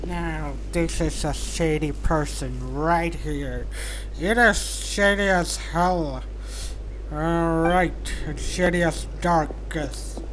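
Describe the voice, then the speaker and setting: A woman's voice: deep voice, slow pace, slight background noise, rough recording. A woman giving casual, off-the-cuff commentary on a game playthrough, joking and interrupting herself.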